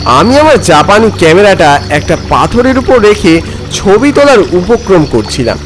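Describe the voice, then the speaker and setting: A man narrating a first-person horror story in a theatrical, expressive way. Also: high voice, normal speed. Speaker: narrator, telling as a film director character. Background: music.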